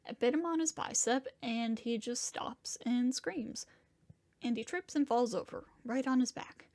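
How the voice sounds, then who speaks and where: A woman voicing a distraught young monstrous man in a dramatic first-person story, confessing in halting, profane, conversational speech. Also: on the high side, a little mellow. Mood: shaken, confessional.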